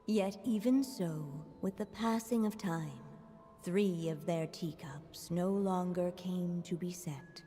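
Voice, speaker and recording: A woman narrating a fairy-tale story in a game in a calm, measured voice. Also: fairly low pitch. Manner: slow, measured. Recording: long hall reverb.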